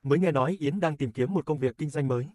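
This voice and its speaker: A man voicing a friendly businessman making a neatly enunciated, upbeat sales pitch in a scripted cartoon advertisement. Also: fast talker, a little mellow, no room sound, clean studio sound, close to an everyday voice. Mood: friendly, persuasive.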